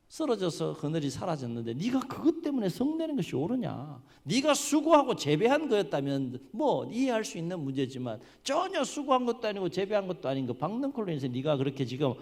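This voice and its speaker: A man's voice: a little mellow, in a large hall, exaggerated voice. A man voicing God, an elder male figure, sternly rebuking a sulking prophet with pointed questions. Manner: scolding, booming, rhetorical questions.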